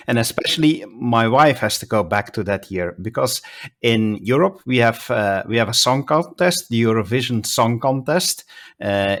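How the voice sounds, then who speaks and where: Flemish-accented man, halting and measured. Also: mid-range voice, a bit bright. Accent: Flemish Dutch. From Belgium (Flanders). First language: Dutch. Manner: measured, many "uh" pauses while finding words. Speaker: guest, bishop. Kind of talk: casual interview conversation.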